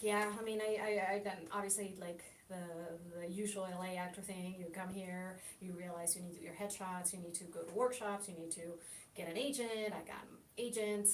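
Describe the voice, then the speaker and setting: A woman from Chile whose first language is Spanish, a guest chatting casually in an interview, telling lively stories and laughing often. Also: a little fast. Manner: lively, laughing anecdotal storyteller. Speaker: guest, actress and comedian. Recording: roomy, distant mic with faint rumble.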